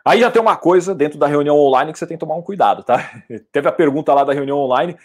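Male oratory trainer, casual Q&A teaching, emphatic with loud bursts. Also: on the high side, quick pace. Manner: lively and emphatic, with sudden loud outbursts. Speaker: public speaking and NLP trainer. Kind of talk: casual teaching, answering audience questions.

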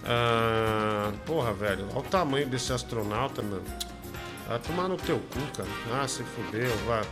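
A man's voice: medium pitch, animated, moderate pace, over loud music. A man hosting a comedy show, chatting in a profane, teasing way. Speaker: show host. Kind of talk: crude comedy live show chat.

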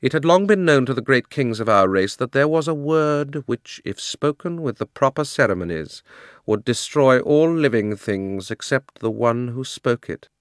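A man's voice: medium pitch, animated, normal speed, no room sound, studio quality, voice pushed up, lightly acted. A man voicing a proud, cruel and haughty queen of enormous height, speaking in an imperious, declamatory way.

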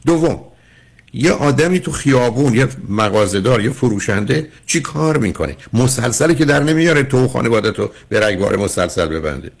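A man's voice: medium pitch, animated, creaky, slightly rough. An older man hosting a radio call-in show as a psychologist, lecturing a caller emphatically and repeatedly calling him "dear".

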